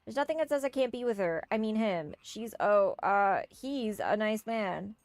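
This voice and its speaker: A woman's voice: lively intonation, normal speed, no room sound, soft background music. Playful woman streamer with a dry close mic. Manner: playful, shifts into goofy high voices for characters. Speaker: streamer reading game dialogue aloud. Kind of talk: casual let's-play with read-aloud character voices.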